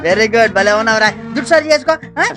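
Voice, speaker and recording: A man acting as a fussy grocery shop owner who scolds his worker in a quick, excitable comic way, with film music behind. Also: high voice. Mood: fretting. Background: film background music.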